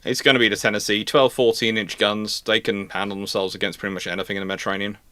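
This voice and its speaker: A man's voice: lowish voice, level tone, fast talker, sharp tone, no room sound. Rambling man, close dry sound. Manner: rambling, repeats and restarts phrases. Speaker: host answering naval history questions. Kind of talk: casual live discussion of naval history.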